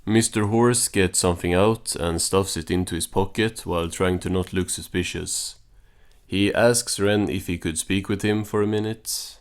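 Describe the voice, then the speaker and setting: A man's voice: deep voice, steady tone, normal speed, clean tone. A man giving a casual recap and commentary on a cartoon episode in a dry, understated way. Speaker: video reviewer and narrator.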